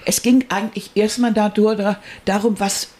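Woman with a breathy, husky voice explaining stuff on a podcast, lots of ähs and restarts, pretty reflective. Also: medium pitch, steady tone, normal speed. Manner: explanatory, many fillers and restarts, gently reflective. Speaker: podcast co-host. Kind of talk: casual conversational chat.

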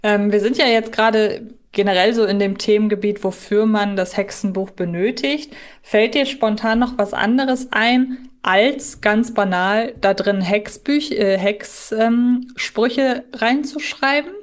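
A woman's voice: mid-range voice, a little slow, hardly any pauses. A woman co-hosting a podcast in a casual, analytical way, correcting herself as she thinks aloud. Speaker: podcast co-host.

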